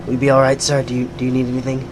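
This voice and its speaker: An actor playing a brisk, polite police officer in a radio drama. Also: male voice, medium pitch, monotone, heavy background noise, natural voice. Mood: concerned.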